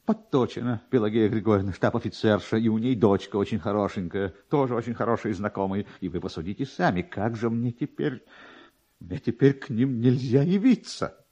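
A man's voice: on the low side, animated, a little fast, dark tone. A man voicing an agitated, self-important male government official, flustered and insistent, in a dramatised literary reading. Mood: flustered, pleading. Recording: dull, lo-fi archive radio recording.

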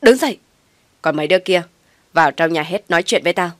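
A woman's voice: fairly low pitch, expressive, fast talker, dry recording, lightly acted. A woman voicing a furious older man, the stern head of a family, bellowing threats at his household. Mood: enraged.

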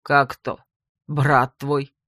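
A woman voicing a sardonic young nobleman with a low, velvety voice, scolding his younger brother in a storybook reading. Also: flat delivery, very slow, fairly bright tone, no echo, clean studio sound, full character voice. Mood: scornful. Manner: biting, sarcastic.

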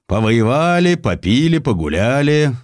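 A man's voice: medium pitch, big pitch swings, a little slow, dry recording, clean studio sound, voice pushed up. A man voicing a hardened, proud Cossack warlord in an audiobook, with a weighty, declamatory manner. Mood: calm, resigned.

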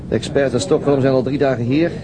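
An actor playing a world-weary, laconic police detective in a naturalistic radio crime drama, dry and deadpan. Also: male voice, mid-range voice, fast, crowd noise, lightly acted, low-quality recording. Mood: dry, sardonic. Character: brooding, world-weary male police detective, dryly sardonic.

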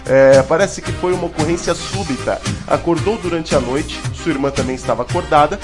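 A man's voice: fairly high pitch, brisk, music in the background. A Brazilian man hosting comic news, reading items with chatty, singsong asides. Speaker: host of comic news segment.

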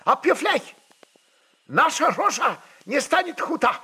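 A man voicing a cheerful, eager, loyal Tatar nobleman who speaks in lively exclamations. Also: extremely high pitch, measured pace, voice pushed up, full character voice.

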